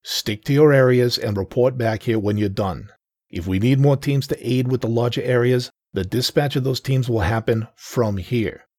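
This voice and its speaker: A brisk police sergeant laying out orders in a commanding voice, as a male narrator reads him. The voice is husky and sits a bit higher than the narrator's own, with a dry, close sound. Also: darkish tone, no echo, natural voice.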